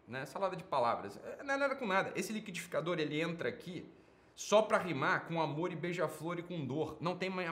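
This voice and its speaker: A man's voice: fairly high pitch, fairly bright tone. A Brazilian man giving informal, off-the-cuff commentary as a program host, opinionated and emphatic, with repetition and slangy, profane wording.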